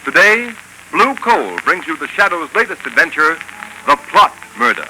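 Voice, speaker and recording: A man's voice: on the high side, very animated, moderate pace. A man announcing a 1930s radio program and reading a sponsor's commercial in an emphatic, declamatory way. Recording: hissy 1930s radio broadcast recording.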